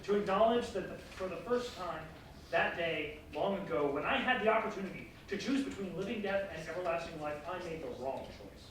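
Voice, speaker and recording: A man in a staged reading playing a weary, defiant condemned Christian, speaking solemnly and deliberately. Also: sits high, lively intonation. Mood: solemn, resolute. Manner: solemn, deliberate, earnest declamation. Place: large reverberant performance space, staged reading. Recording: echoey hall from far off, faint noise.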